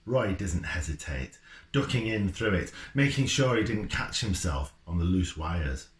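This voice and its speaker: A man who writes children's books, talking informally and reading a story aloud. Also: sits low. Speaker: children's football author. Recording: roomy, echoey indoor sound.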